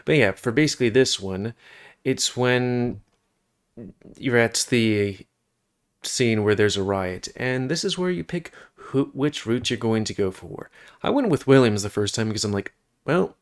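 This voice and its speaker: A man's voice: mid-range voice, animated, measured pace. A man giving casual, rambling commentary over a video game, with chatty asides.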